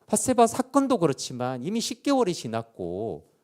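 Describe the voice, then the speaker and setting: A man preaching a sermon as pastor, asking his listeners rhetorical questions and dropping to soft asides between stronger points. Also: a little high, huge pitch swings, moderate pace. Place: church sanctuary.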